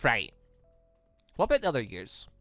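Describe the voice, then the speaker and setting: A man's voice: mid-range voice, wildly swooping pitch, moderate pace, pushed and bright, dry recording, faint music behind, pitched below the performer's own voice, full character voice. A man voicing a sceptical, mildly exasperated newcomer student in a visual novel. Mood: doubtful. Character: sceptical, questioning newcomer student being shown around. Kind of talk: visual novel dialogue read aloud.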